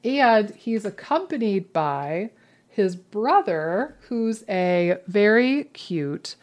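A podcast co-host chats casually and playfully, tossing in dramatic asides. Her medium-pitched voice is sing-song and darkish, and she speaks extremely slowly. The audio comes from a webcam setup.

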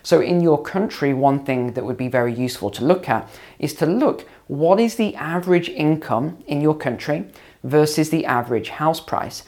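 A man hosting his own finance channel, slightly hoarse after long calls, explaining to camera in a conversational way with ums and repeats. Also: a little high, expressive, normal speed, a little mellow. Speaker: finance video host and mentor.

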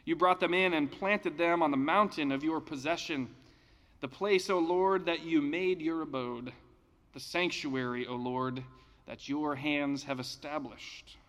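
Male pastor, slightly high voice, unhurried sermon delivery, long church reverb. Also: fairly bright tone. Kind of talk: scripture reading and sermon.

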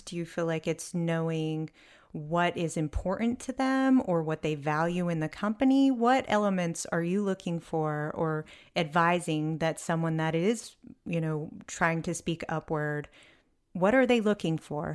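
A woman's voice: lowish voice, clean tone. A woman hosting an interview, encouraging her guest with frequent affirmations and asking follow-up questions. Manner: warm encouraging, frequent mm-hmms. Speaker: interview host.

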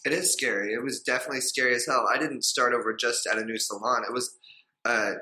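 A man's voice: mid-range voice, steady tone, fast talker, pushed and bright, rough recording. A man in his thirties, a podcast guest who works as a hairstylist, talking candidly in casual chat and swearing now and then. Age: 30s.

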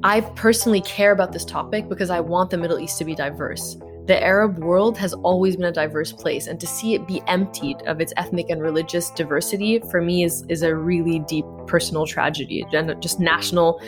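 A woman's voice: fairly low pitch, steady tone, brisk, few pauses, over music. A woman from Egypt, a political science professor, answering interview questions in a thoughtful, earnest way with frequent fillers.

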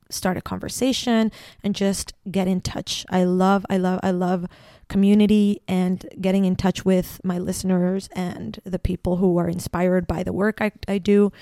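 A woman's voice: mid-range voice, creaky, warm tone, no room sound, clean studio sound. A woman from Ecuador with a Latin American Spanish accent, hosting a solo spiritual podcast, effusive and repeating phrases for emphasis. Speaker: podcast host.

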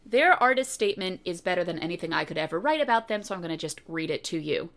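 A woman's voice: on the low side, animated, quick pace, fairly bright tone. A woman with an American accent hosting a podcast, reading a guest's biography and then opening a video-call interview in an eager, upbeat way. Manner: upbeat, eager, reads bio aloud. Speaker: podcast host. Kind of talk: podcast interview with scripted intro.

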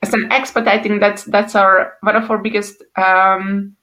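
A woman's voice: medium pitch, little pitch movement, normal speed, sharp tone. A woman from Hungary with a Hungarian accent, hosting a casual interview and thinking aloud as she talks. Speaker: podcast host.

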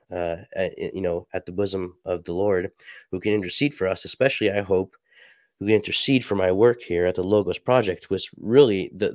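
A man with a very low voice hosts his solo podcast, sounding congested from a cold. He speaks softly and reflectively, pausing often with fillers as he reads passages aloud. The recording is dry and close, with no room sound. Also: no echo. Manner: soft-spoken, halting with many fillers. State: stuffy, a little sick. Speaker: podcast host.

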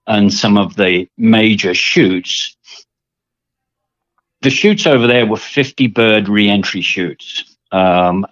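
A man's voice: on the low side, no room sound, dull audio. An older man from England with an English accent, talking through his story as a guest with lots of fillers and repeated words. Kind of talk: casual interview.

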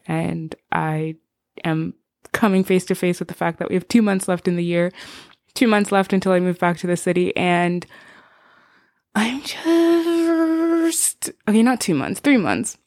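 A woman's voice: lowish voice, darkish tone, no echo, clean studio sound. A woman in her twenties from Zimbabwe, a native Shona speaker with an American accent, chatting casually to her listeners as a bubbly, playful, rambling podcast host. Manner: bubbly, playful, slangy and digressive.

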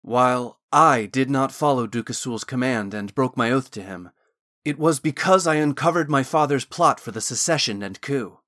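A man's voice: medium pitch, moderate pace, sharp tone, natural voice. Man voicing a desperate cursed hero, earnest, urgent, formal phrasing, pleading, fantasy audiobook. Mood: earnest, defensive.

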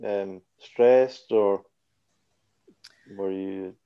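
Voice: low voice, steady tone, extremely slow, clean tone, lo-fi sound. A podcast host introducing a guest and asking questions, with frequent encouraging backchannels. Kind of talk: podcast interview.

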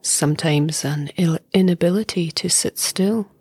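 Leading a guided meditation, a woman speaks in a soft, breathy, lowish voice that frequently falls nearly to a whisper. She is a meditation teacher, calm, soothing and very slow, with long pauses throughout. The recording is close and dry.

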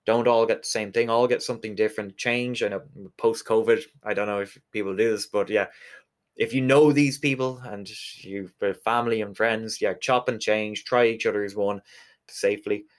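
Man, west of Ireland accent, low-pitched voice, conversational interview guest, explanatory. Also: steady tone, normal speed. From Galway, west of Ireland. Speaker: interview guest, whiskey distillery representative.

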